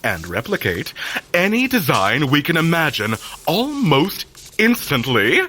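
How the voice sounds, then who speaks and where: Theatrical couturier, effusive and genteel, unhurried, lively melodic delivery, audio drama. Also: male voice, on the high side, background noise. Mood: encouraging, showy. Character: flamboyant four-handed mutant fashion designer, warm and theatrical.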